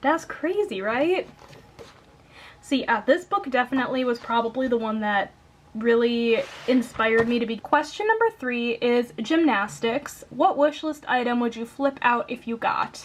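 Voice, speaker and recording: A woman with a Midwestern American accent speaks in a high pitch with lively intonation. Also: moderate pace. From US Midwest, Wisconsin. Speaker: YouTuber, adult coloring channel. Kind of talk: casual vlog chat.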